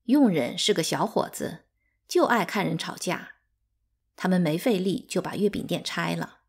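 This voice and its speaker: A woman narrating a novel as a calm bedtime audiobook, in an even, unhurried way. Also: fairly low pitch, gravelly, breathy edge. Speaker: audiobook reader.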